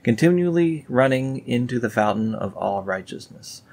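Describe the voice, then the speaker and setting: A man with a medium-pitched, expressive, slightly mellow voice reads scripture aloud at a moderate pace as a video host. He keeps stopping the solemn passages to drop in dry, sarcastic remarks, keeping the whole read-along casual.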